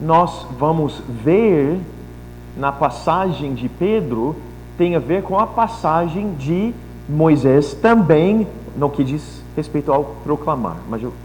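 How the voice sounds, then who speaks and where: With audible room echo, a man speaks very slowly at a fairly high pitch, his intonation lively. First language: not Portuguese (foreigner) (speaking Portuguese). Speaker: preacher. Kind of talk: sermon.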